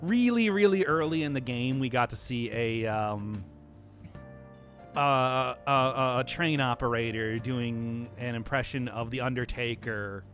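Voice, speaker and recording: A man's voice: medium pitch, a little slow, fairly bright tone, soft background music. A man hosting a let's-play, chatting in a jokey, rambling way while playing a game. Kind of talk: casual game commentary.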